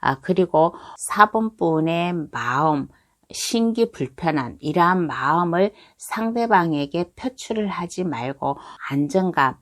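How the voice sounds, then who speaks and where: Low-voiced Korean woman reading tarot. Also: animated. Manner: slow, reassuring, repeats phrases and hedging endings. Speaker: tarot reader. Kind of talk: tarot card reading for viewers.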